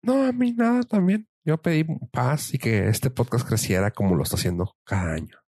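Upbeat Mexican podcast host, animated pitch. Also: male voice, normal speed, no room sound, studio quality. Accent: Mexican Spanish. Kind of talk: casual chat among friends.

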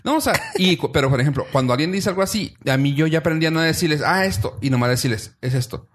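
A man with a Mexican Spanish accent chatting casually as a podcast co-host, slangy and animated, jumping into high-pitched imitations. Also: fast. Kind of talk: casual chat.

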